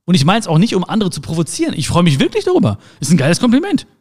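Man, motivational speaker, lively swooping pitch, somewhat high voice, emphatic. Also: racing. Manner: emphatic, repeats key phrases. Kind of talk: motivational talk.

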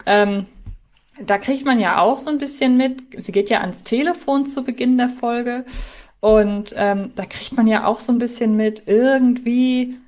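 A woman's voice: a little high, unhurried, a little mellow. A woman co-hosting a podcast, thinking aloud in a casual, conversational way. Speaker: podcast co-host.

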